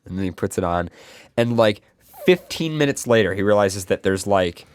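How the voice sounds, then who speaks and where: Lively rambling man on a podcast. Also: fairly low pitch, moderate pace, smooth. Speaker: podcast co-host. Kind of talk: casual chat. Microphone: studio microphone.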